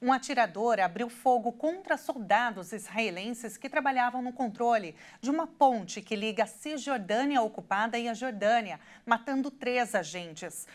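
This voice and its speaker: A Brazilian woman in her thirties presenting scripted TV news as an anchor in a studio. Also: a little high.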